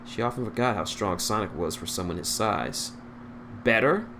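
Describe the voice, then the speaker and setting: A man's voice: low-pitched, fairly quick, creaky. A man reading fan fiction aloud as an amateur narrator, stumbling over words, on a noisy recording.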